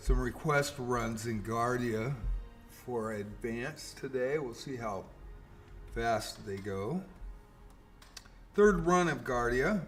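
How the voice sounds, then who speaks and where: Music plays in the background as a man speaks at a very slow pace with long, frequent pauses. His intonation is lively. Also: medium pitch for a man. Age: 60s. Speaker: video game streamer. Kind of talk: casual gameplay commentary.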